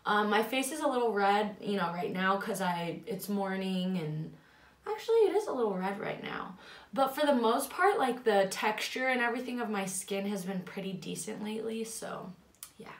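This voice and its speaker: A woman in her twenties reviewing makeup in a casual, chatty way at home, her voice slightly raspy from the morning. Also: medium pitch, lively intonation, normal speed, roomy sound, recorded from a distance. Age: 20s. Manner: chatty, filler-heavy, self-deprecating. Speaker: beauty vlogger.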